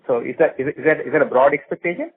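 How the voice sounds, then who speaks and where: A man with a husky voice asking analyst questions on an earnings call, phrasing them tentatively. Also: a little high, very fast, a little hiss or hum. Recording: thin narrow phone line.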